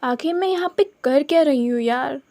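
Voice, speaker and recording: Sassy young woman read by a female narrator, sarcastic, high voice. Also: normal speed, darkish tone.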